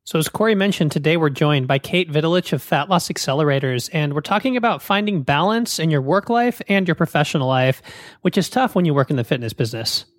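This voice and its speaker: A man's voice: on the high side, lively intonation, fast talker, dry recording, studio quality. Sarcastic male podcast host. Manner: joking, sarcastic. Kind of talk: podcast chat.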